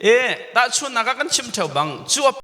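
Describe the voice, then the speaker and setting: A man's voice: extremely high pitch, sing-song, brisk, bright, forceful tone, in a large hall. A male pastor preaching a sermon, mixing English words into his speech. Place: church sanctuary.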